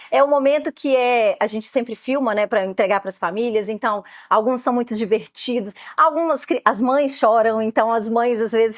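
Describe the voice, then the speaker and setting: A Brazilian woman in her late thirties talks on an interview podcast, her voice sitting high and bright in pitch. She explains her work eagerly, piling on fillers as she goes. The sound is close and dry, with no room around it. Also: no echo. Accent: Brazilian Portuguese. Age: late 30s. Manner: lively, explanatory, many fillers. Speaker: photographer guest.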